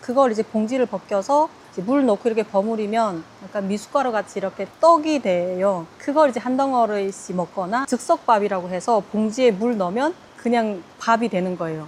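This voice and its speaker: Noticeable background noise runs behind a woman speaking at a moderate pace. Her pitch is fairly high and her intonation lively. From North Korea, Ryanggang Province. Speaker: North Korean defector, former navy soldier. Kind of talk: interview.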